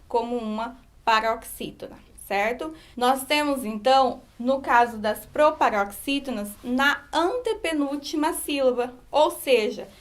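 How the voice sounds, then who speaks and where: A woman teacher with a slightly high voice walks students through a recorded grammar lesson. She explains each point patiently, pausing to check that they are following.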